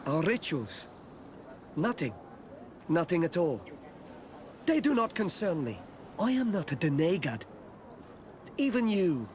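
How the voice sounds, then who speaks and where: An actor playing a guarded, curt tribal villager in a video game, with terse, formal, halting phrasing. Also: male voice, on the high side, sing-song, slight background noise. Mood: irritated.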